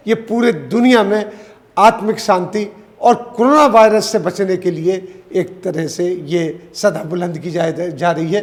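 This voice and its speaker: A man with a high voice delivers spoken news commentary off the cuff, often pausing with fillers and rephrasing mid-sentence. His voice sits in a long, ringing reverb. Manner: unscripted, with fillers and restarts.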